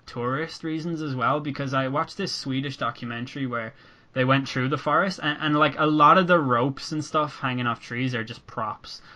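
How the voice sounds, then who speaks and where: A young man chatting casually on a podcast, rambling with many halting restarts and a dark sense of humor. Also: medium pitch. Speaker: podcast host. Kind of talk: casual chat.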